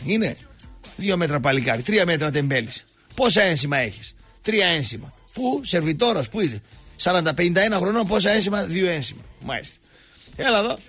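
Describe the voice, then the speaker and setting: A man hosting a sports talk show, ranting sarcastically and mocking people, going from loud outbursts to low muttering. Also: husky. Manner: sarcastic, mocking, switches between shouting and muttering. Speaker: radio sports talk host. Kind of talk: ranting monologue.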